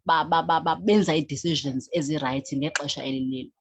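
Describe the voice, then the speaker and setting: A woman's voice: low voice, fairly even intonation, fast, soft background music. A woman with a South African Xhosa accent speaking as an interview guest, switching between languages. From South Africa, Eastern Cape. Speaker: guest, founder of a youth organization. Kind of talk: interview talk, mixing languages.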